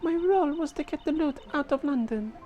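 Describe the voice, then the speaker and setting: A woman's voice: high voice, expressive, brisk, dark tone, highs cut off, faint music behind, voice pushed up. A woman voicing a defeated female jewel thief from a game, confessing in a put-on accent.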